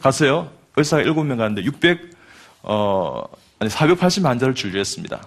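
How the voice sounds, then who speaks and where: A man's voice: medium pitch, very animated, a little fast, creaky. A man in his fifties, a doctor, giving a fervent Christian testimony to a studio audience, speaking emphatically and addressing listeners directly. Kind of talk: preacherly testimony speech.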